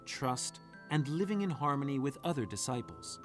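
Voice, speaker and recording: A man giving plain, scripted documentary narration in an even storytelling tone. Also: mid-range voice, moderate pace, over music.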